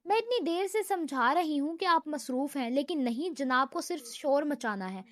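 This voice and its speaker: A woman voicing a feisty, stubborn young office assistant who fires back sharp, sassy retorts in a storybook reading. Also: high-pitched, lively intonation. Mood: sassy defiant.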